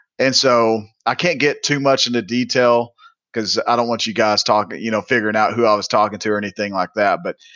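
A man's medium-pitched voice in a Southern US accent, with ordinary pitch variation. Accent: slow Southern drawl. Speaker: sports podcast host. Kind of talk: casual chat.

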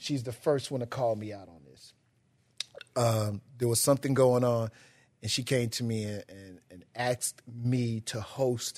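With an American accent, an unremarkable speaking voice goes at a fairly slow pace with fairly even intonation and big swings in loudness. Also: man, medium pitch for a man. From North Carolina. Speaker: radio DJ and rapper. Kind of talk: casual interview.

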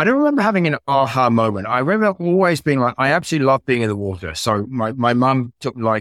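Talking very fast with lively intonation, a man with a British accent is heard on a very clean recording with a silent background and a dry, close sound with no echo. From London, England. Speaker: shark scientist. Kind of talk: interview. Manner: halting.

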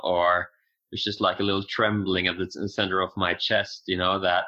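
A man in a Norwegian accent speaks at a moderate pace and fairly low pitch, with a bright, sharp tone and monotone, flat intonation against a quiet background. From Norway. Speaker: men's coach. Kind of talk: in-depth interview conversation.

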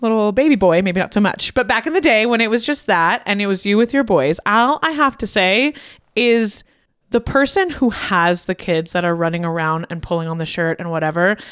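A woman with a normal speaking voice and a medium pitch talks at a moderate pace with lively intonation in a very clean recording against a silent background. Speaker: parenting podcast host. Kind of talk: casual chat.

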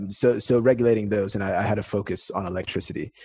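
A man with an American accent and a fairly low pitch in a monotone, flat intonation. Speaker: impact investment professional. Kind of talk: interview conversation. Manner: frequent fillers and false starts.

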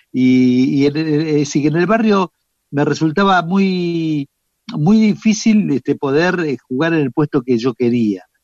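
A man with a fairly high pitch speaks at a very slow pace with lively intonation, the sound dry and close with no echo. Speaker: radio co-host. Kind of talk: casual chat. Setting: home studio.

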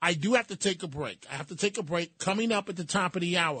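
With an American accent, a man speaks at a fairly quick pace in a high pitch, his tone bright and sharp and his pitch variation ordinary. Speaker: talk radio host. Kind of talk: call-in talk radio. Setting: radio studio. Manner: animated, worked up.

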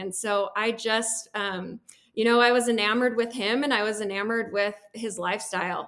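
With a Midwestern US accent, a woman speaks at a moderate pace in a fairly high pitch with fairly even intonation. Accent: General American, Midwestern. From US Midwest, Peoria, Illinois. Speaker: farmer and hemp grower. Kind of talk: interview.

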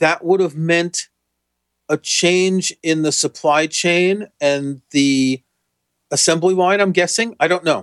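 Very slow and very even in loudness, a man with an American accent speaks at a high pitch with fairly even intonation. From United States. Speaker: tech writer. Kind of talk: casual chat.

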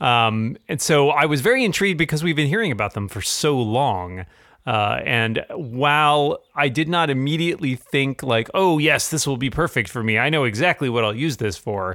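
A man with a fairly high pitch and a bright, sharp tone speaks at a moderate pace on a very clean recording with a silent background. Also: hardly any pauses. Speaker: podcaster and tech writer. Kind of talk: casual chat.

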